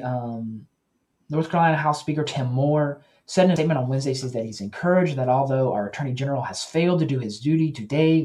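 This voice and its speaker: A man hosting a Christian news commentary show, talking earnestly and directly to his listeners, often pausing and correcting himself. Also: mid-range voice, warm tone. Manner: earnest, with self-corrections and pauses.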